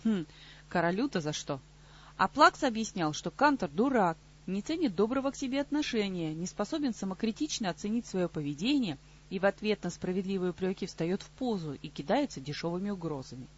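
A woman reads a fantasy novel aloud with a lively, ironic touch. Her voice sits in the middle range with a husky grain, and the recording sounds dull and lo-fi. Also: mid-range voice, a little fast. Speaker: audiobook narrator. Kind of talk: scripted audiobook narration.

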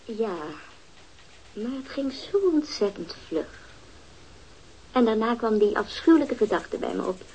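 A guarded rich widow. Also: female voice, a little high, animated, a little slow, long pauses, a little mellow, slightly rough, low-quality recording. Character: guarded wealthy widow, middle-aged woman. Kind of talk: radio drama acting.

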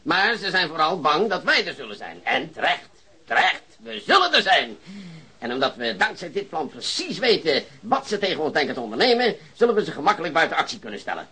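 Gleeful male police chief, radio drama, forceful, husky, very animated, exuberant, cocksure. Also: fairly high pitch, fairly quick, exaggerated voice. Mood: confident. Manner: exuberant, repeats words for emphasis. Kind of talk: Dutch radio drama acting.

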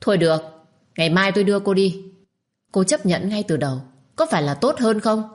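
A woman's voice: medium pitch, animated, a little fast, pitched above the performer's own voice, lightly acted. A woman voicing a harsh, domineering older mother who barks orders. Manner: barking, commanding.

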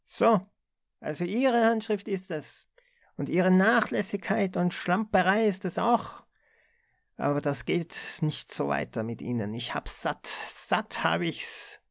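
A man reading an audiobook, voicing a brusque young male office chief who scolds a clerk in a sharp, rasping voice. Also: measured pace, few pauses, no room sound. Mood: angry scolding. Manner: barks and scolds in a high strained shout.

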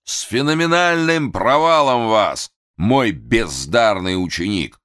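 A man's voice: lowish voice, expressive, takes it slowly, a bit bright, voice pushed up, heavily acted. A man voicing a grand, scornful theatre director who declaims pompously. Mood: scornful grandeur.

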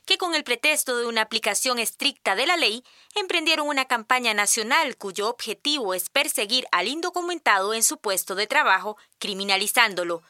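A woman reads a formal news report in a crisp, composed manner. Her voice is bright and a little high, and the recording is close and dry. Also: lively intonation, a little fast, no room sound. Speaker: newsreader. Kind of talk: read news bulletin.

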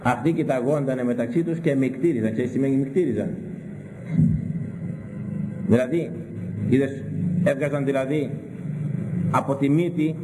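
A man's voice: medium pitch, long pauses, big-room sound, background noise. A man preaching a stern, scolding sermon full of rhetorical questions. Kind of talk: sermon with Bible interpretation.

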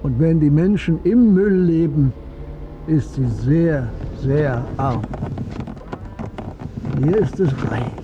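An actor playing a wise, gentle old Muslim shopkeeper who teases and philosophizes unhurriedly in a radio drama. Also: male voice, a little high, slow pace, pauses often, muffled recording, background noise. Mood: serene, wise. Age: older.

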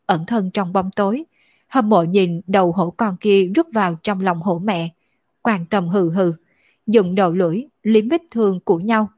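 A tearful young orphan woman, lonely and grieving, voiced by a female audiobook reader. Her words come slow and choked, at a middling pitch. The sound is dry and close, with no room around it. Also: darkish tone, no room sound, close to an everyday voice.

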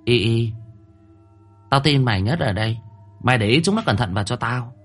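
A man's voice: medium pitch, animated, moderate pace, fairly bright tone, faint music behind. A man voicing a furious, bossy middle-aged mother who screeches threats and scoldings. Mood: coaxing.

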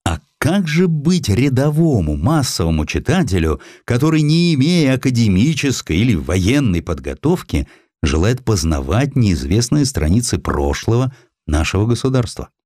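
A man reading historical essays as an audiobook narrator, in an expressive scripted storytelling style. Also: lowish voice, no echo, clean studio sound. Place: dry recording studio.

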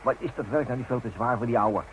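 A man playing a nervous, questioning worker in a Dutch radio drama, with halting, stammering speech. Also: mid-range voice, lightly acted. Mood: uneasy. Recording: dull, noisy old radio drama recording.

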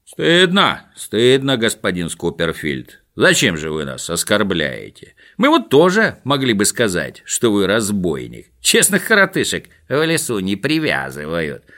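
A man's voice: fairly low pitch, wildly swooping pitch, unhurried, bright, forceful tone, heavily acted. A man doing a sly, mock-polite swindler. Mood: mock-polite lecturing. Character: smug, sly male swindler bargaining. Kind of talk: audiobook character voice.

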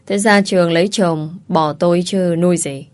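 A woman voicing a sick older mother who speaks gently and wistfully, with a teasing touch. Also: lowish voice, fairly even intonation, normal speed, smooth, natural voice. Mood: gentle.

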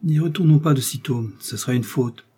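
A man reading a novel aloud and voicing a smooth, scheming male seducer who pleads with melancholy passion. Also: medium pitch, a little fast, warm tone, pitched above the performer's own voice. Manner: melancholy, impassioned declarations. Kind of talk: audiobook character voice.

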